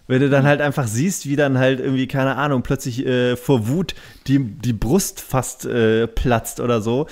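A man co-hosting a relaxed podcast, thinking out loud in long, meandering runs. His voice sits at an ordinary middle pitch. He talks casually and loosely. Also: normal speed. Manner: rambling, lively, slips into silly voices. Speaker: podcast co-host. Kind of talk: casual chat.

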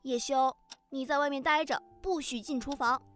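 A woman's voice: sits high, steady tone, normal speed, a bit bright. A woman playing a bossy but caring young sister in an audio drama, with a girlish manner. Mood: bossy, cheerful. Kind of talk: fan audio drama acting. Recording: music behind the voice.

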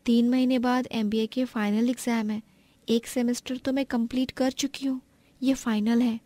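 A woman voicing a meek, dutiful young daughter-in-law in an animated family story, speaking deferentially. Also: on the high side, normal speed, no echo, close to an everyday voice. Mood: confiding. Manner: deferential, apologetic.

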